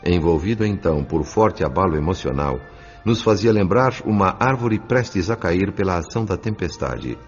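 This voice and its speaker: A Brazilian man narrates an audio drama in a low, solemn voice. His delivery is measured and scripted, over faint music in a slightly muffled recording. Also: lively intonation.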